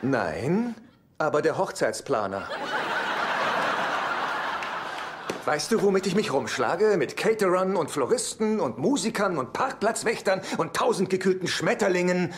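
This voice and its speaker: An actor in a German sitcom dub playing an anxious, fussy, exasperated younger brother who frets and pleads. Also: male voice, high voice, expressive, normal speed. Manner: fretful, pleading. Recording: TV soundtrack with noticeable noise.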